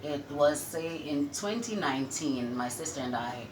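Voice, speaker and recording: Very low-pitched woman, echoey recording. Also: animated, moderate pace. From Jamaica. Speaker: restaurant owner, interview guest. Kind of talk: casual interview storytelling. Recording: echoey room with loud-ish background noise.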